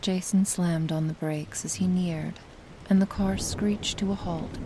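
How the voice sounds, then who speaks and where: This soft-spoken voice is somewhat breathy and has a soothing tone. It moves at a moderate pace with fairly even intonation. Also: woman. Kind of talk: sleep story. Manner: soft-spoken, soothing.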